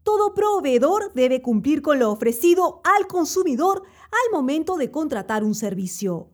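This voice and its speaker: A female announcer delivers a scripted public-service message. Her voice sits high for a woman. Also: sing-song, normal speed.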